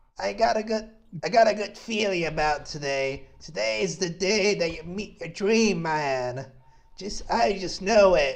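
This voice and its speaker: Using a put-on character voice, a man speaks in a playful tone at a high pitch and a moderate pace. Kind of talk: comic overacting. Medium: actual play. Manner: gushing, playful.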